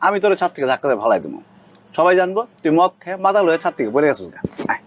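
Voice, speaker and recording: An actor playing a sly, vengeful husband in a Bengali comedy skit, taunting and menacing over music. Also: male voice, fairly high pitch, big pitch swings, very fast, heavy background noise. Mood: gloating menace. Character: sly vengeful husband who pretends to be deaf-mute. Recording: music behind the voice.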